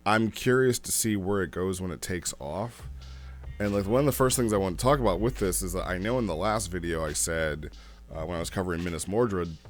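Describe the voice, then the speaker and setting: Male review host, deep register, chatty and opinionated, faint music underneath. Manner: conversational, opinionated. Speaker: host reviewing roleplay logs. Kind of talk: casual review commentary. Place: home recording studio.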